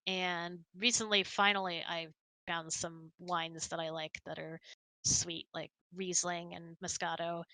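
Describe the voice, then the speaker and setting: A woman's voice: fairly low pitch, sharp tone, clean tone, no echo, low-quality recording. A woman host chatting casually and answering audience questions in a giggly, chatty way.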